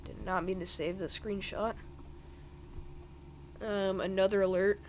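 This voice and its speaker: A man's voice: high-pitched, little pitch movement, a little slow, slight background noise. A young man giving live weather commentary on a stream, thinking aloud over the radar with plenty of ums and restarts.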